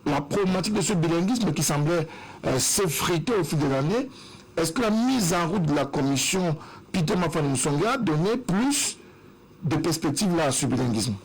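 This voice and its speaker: A male moderator with a slightly raised pitch and a husky tone leads a panel discussion. He puts questions to his guests and steps in to steer the exchange. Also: lively intonation, moderate pace, rough recording. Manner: questioning, interjecting. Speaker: TV debate moderator.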